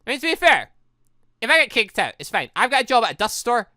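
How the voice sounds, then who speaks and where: A man's voice: very high voice, very animated, fast, pushed and bright, no room sound, clean studio sound. A man giving rambling commentary on a visual novel game, exclaiming and breaking off mid-sentence. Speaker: gaming channel host, let's player.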